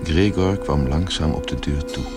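A man narrates a literary radio play in a low voice. His delivery is scripted storytelling, with music playing behind him. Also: normal speed.

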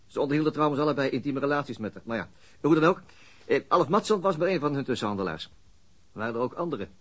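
A man's voice: mid-range voice, animated, fast, fairly bright tone, slightly rough. A man acting a weary, middle-aged police detective in a radio drama, explaining things methodically with small hesitations. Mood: matter-of-fact.

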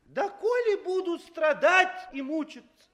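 Old whiny comic emperor, super high voice, slow dragged out lament, old 60s radio play. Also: male voice, expressive, music in the background. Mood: tragicomic lament. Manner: plaintive, drawn-out declaiming. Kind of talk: theatrical comic declamation. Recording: 1960s Soviet radio recording.

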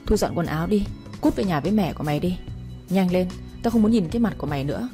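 A woman's voice: lowish voice, animated, fast talker, mellow, faint music behind. A woman voicing a harsh, angry middle-aged father who scolds and orders his daughter out, in a storybook reading.

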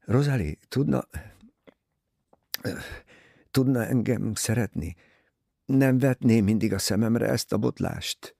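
A man voicing an impulsive, passionate young man in an audiobook, lively and self-mocking. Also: medium pitch, gravelly, pauses often, dry recording, studio quality, pitched above the performer's own voice. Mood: tender.

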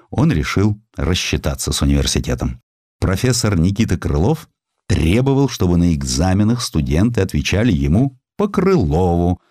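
A man reading a historical sketch as an audiobook narrator, in an expressive, theatrical storytelling style. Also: deep voice, dry recording, studio quality. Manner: theatrical, dramatic storytelling delivery.

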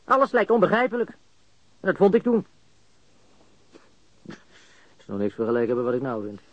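An actor playing a baffled, cocky and coarse murder suspect in a radio crime drama, stammering and repeating words. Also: male voice, a little high, sing-song, a little fast, no echo. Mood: puzzled, uneasy. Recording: dull, lo-fi radio recording.

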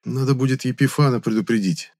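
A man voicing a sharp-tongued young male hero who talks bluntly and scolds. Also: mid-range voice, fast, voice pushed up, close to an everyday voice. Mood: wry.

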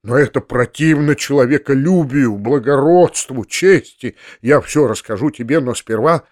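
A man voicing an excitable middle-aged landowner uncle, a former cavalry officer, who swings from heartfelt pleading to shouted orders. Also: mid-range voice, normal speed, dry recording, clean studio sound, close to an everyday voice. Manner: emotional, bursts into furious shouted orders.

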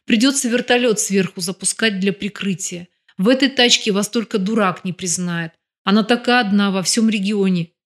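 A woman reading the part of a gruff, grumbling male bodyguard in an audiobook, with a lightly lifted voice. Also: mid-range voice, normal speed, few pauses, lightly acted. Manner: grumbling, teasing.

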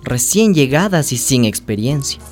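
A woman's voice: a bass voice, big pitch swings, normal speed, a little mellow, soft background music. A woman playing a hopeful, sensitive young trans woman who confides her life story in a radio drama. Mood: reflective narrating. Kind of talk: radio drama narration and dialogue.

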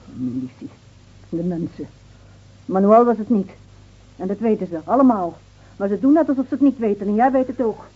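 An actress playing a bitter, grieving village wife in an intense, emotional radio drama. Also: female voice, mid-range voice, expressive, a little fast, pauses often, slightly rough. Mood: bitter, accusing. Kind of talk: Dutch radio drama acting. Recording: muffled, phone-like old radio recording.

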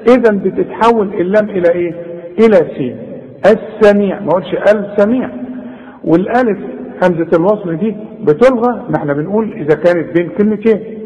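A man's voice: high voice, fast talker. A man with an Egyptian accent teaching Quran recitation rules, modelling each word and correcting mistakes. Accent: Egyptian Arabic. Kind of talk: tajweed lesson. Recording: dull lo-fi recording with long reverb.

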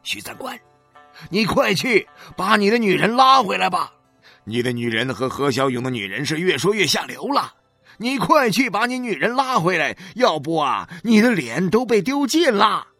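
A woman's voice: lowish voice, sing-song, moderate pace, fairly bright tone, no room sound, faint music behind, voice pushed up, exaggerated voice. A woman voicing an anxious neighbour urgently pleading with a husband in a storybook.

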